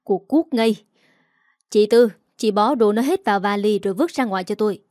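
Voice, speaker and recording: Lady putting on a bitter bossy mother-in-law barking orders, mellow voice. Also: mid-range voice, normal speed, no room sound, studio quality, natural voice. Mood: commanding. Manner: shouting, commanding. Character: harsh, furious older mother-in-law.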